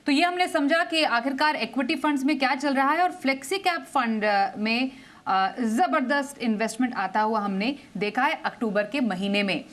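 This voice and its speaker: A woman anchoring a business news interview, asking questions with frequent pauses and restarts. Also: high-pitched, fairly bright tone. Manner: hesitant, many fillers and restarts.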